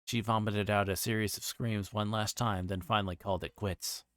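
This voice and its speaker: A man's voice: on the low side, fairly even intonation, moderate pace, fairly bright tone, smooth, no echo, studio quality. A man livestreaming a visual novel, reading the narration aloud with casual asides and occasionally stumbling over and repeating lines.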